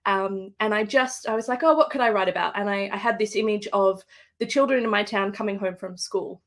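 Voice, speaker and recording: A woman's voice: mid-range voice, fairly quick. An Australian woman, an author, speaking thoughtfully with fillers and restarts in a live book interview over a video call. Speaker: guest author.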